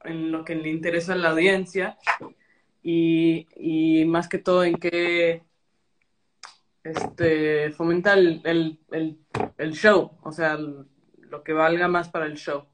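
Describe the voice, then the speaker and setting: A woman's voice: low-pitched, slow, slight background noise. A woman in her thirties chatting casually on a phone live stream, reading out comments with loose, hesitant phrasing and switching between Spanish and English. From half Argentinian. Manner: relaxed, hesitant, many fillers, mixing Spanish and English. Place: small room indoors. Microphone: phone front camera, close.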